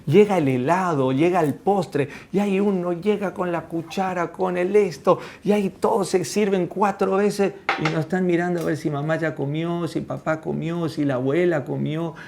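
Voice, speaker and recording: A man's voice: on the high side, steady tone, normal speed, gravelly, few pauses, a little mellow, a little hiss or hum. A middle-aged man with an Argentine accent preaching a teaching sermon, who acts out family dialogue in raised voices. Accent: Argentine Spanish. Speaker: pastor.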